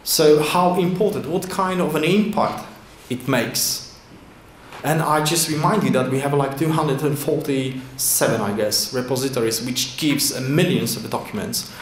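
A man giving a slide talk at a conference from a podium, in halting with frequent fillers and restarts. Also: mid-range voice, a little hiss or hum. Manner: halting non-native English with many fillers and restarts. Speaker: conference presenter. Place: large indoor conference hall. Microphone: lectern microphone at a podium. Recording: echoey hall with faint ambience.

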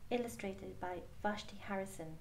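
A woman reading a picture book aloud to children in a measured, expressive way with pauses. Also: medium pitch, a little hiss or hum, poor audio. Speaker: storyteller.

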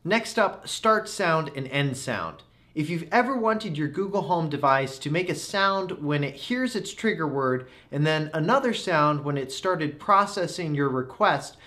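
Higher-pitched young man presenting. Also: fairly bright tone. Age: 20s. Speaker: tech reviewer, video host. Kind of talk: scripted tech review narration.

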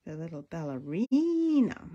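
A woman with a deep, husky voice hosting a casual stamping tutorial, chatting and thinking aloud as she crafts. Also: very animated, unhurried, dark tone, highs cut off. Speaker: craft video host.

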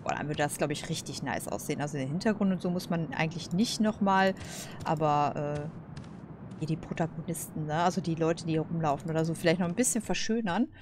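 A woman's voice: deep voice, fast talker, a little mellow, a little hiss or hum. A woman doing casual let's play commentary, colloquial and hesitant as she thinks aloud.

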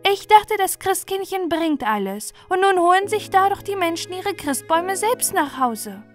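A woman's voice: very high voice, very animated, normal speed, soft background music, voice pushed up. A woman voicing an eager little girl who pleads in a childlike way, in a storybook reading. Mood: puzzled.

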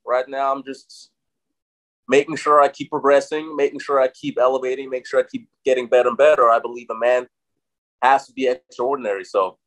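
A man's voice: mid-range voice, fairly quick, low-quality recording. A young man who grew up in Austria, speaking with an American accent, talking confidently as a guest on a video call interview. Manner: energetic, confident, says bro a lot. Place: bright room with large windows.

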